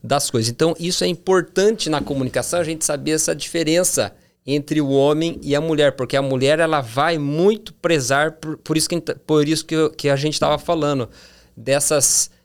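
Gravelly man, animated talk. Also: moderate pace. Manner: animated, acts out quoted voices with big pitch jumps. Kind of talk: casual Christian talk on communication.

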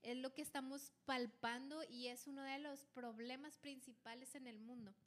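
A woman talks through a Bible passage for her podcast listeners. Her voice sits a bit high, and she tells the story eagerly, often restarting sentences mid-thought. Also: normal speed. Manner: lively storytelling with frequent restarts. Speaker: podcast co-host. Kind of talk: casual Bible study chat.

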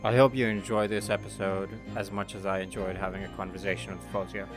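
A male podcast host calmly reading a scripted introduction to his show. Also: low-pitched, fast. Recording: voice over background music.

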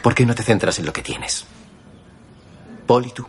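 A man's voice: mid-range voice, expressive, moderate pace, a little hiss or hum, close to an everyday voice. A Castilian-accented man dubbing an easygoing younger brother in a film, talking casually and teasingly. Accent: Castilian Spanish. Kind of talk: film dub.

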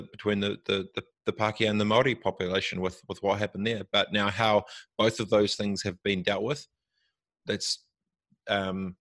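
A man with a New Zealand accent and a fairly low voice talks as an interview guest. He is casual and reflective, repeating words as he works out his thoughts. The sound is close and dry, with very little room. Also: a bit bright, no room sound.

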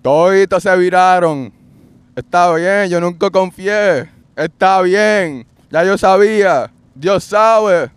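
Defiant Puerto Rican man, high voice. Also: takes it slowly, smooth, dry recording. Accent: Puerto Rican Spanish. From Puerto Rico. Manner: defiant, repetitive, swears often. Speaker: podcast host. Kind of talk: rambling solo monologue.

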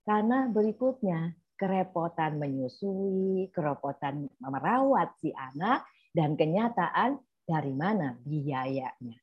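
Husky, low-voiced middle-aged woman. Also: slow pace, lo-fi sound. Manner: lively, acts out clients' voices. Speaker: clinical psychologist. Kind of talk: explanatory talk to an audience.

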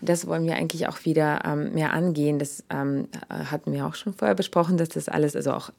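Relaxed woman co-host, low voice. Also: fast talker, creaky. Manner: relaxed, loose, with many fillers. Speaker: podcast co-host. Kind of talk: casual conversational interview.

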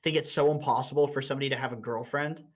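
A man's voice: medium pitch, fairly even intonation, rapid-fire. A young man streaming and chatting casually, blunt and laughing often, with frequent restarts.

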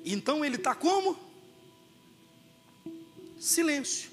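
A man's voice: very high voice, sing-song, takes it slowly. A Brazilian man preaching a sermon, urging the congregation to respond. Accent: Brazilian Portuguese. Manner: exhorting, rousing the congregation. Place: church hall. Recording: long hall reverb with loud music.

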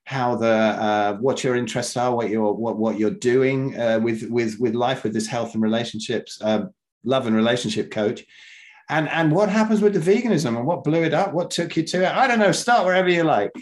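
A man's voice: mid-range voice, moderate pace. A man hosting a podcast interview, talking casually and rambling, with frequent repeated words and restarts. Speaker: podcast host.

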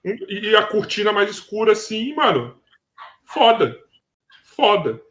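A man's voice: sits high, sing-song, unhurried, fairly bright tone. Podcast guy, Brazilian Portuguese accent, voice a bit above average, loose slangy talk with swearing. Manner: informal, slangy, swearing, repeats words. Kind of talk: casual slangy podcast chat.

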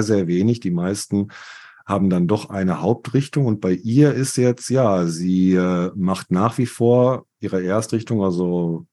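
Slow-talking man with a low dark voice. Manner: slow, measured, with many fillers. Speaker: podcast co-host. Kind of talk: casual podcast discussion.

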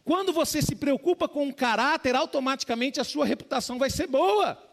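A pastor delivers a casual, conversational sermon. His voice sits unusually high for a man. He keeps addressing the congregation as "dear ones". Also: animated, brisk, gravelly. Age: adult with a young child.

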